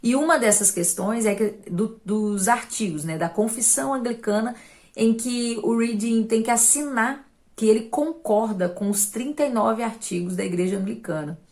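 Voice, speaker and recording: A woman's voice: on the high side, moderate pace, a little mellow. A woman giving a casual spoken book review as a channel host, talking conversationally with frequent tag questions and fillers.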